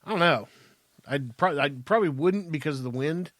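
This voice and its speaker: A man's voice: a little high, normal speed, a bit bright, no room sound. A man in his fifties with an American accent, bantering casually and crudely as a podcast co-host, with emphatic delivery. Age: 50s.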